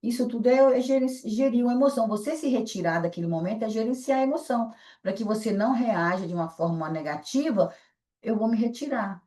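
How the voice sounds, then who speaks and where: A woman's voice: on the high side, fairly quick, mellow. A woman with a Brazilian Portuguese accent teaching an online course, asking and answering her own questions. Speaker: instructor. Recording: echoey room, voice from a distance.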